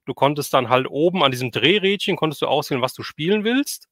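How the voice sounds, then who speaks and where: Higher-voiced middle-aged man, very dry sound. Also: lively intonation, quick pace, fairly bright tone, no echo. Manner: reminiscing, conversational. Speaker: livestream host. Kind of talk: casual chat.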